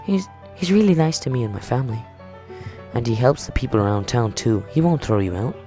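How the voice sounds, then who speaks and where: A man voicing an excitable, sweet, chatty little girl, eager and childlike, in a visual novel read-through. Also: mid-range voice, fairly quick, soft background music, pitched above the performer's own voice, natural voice.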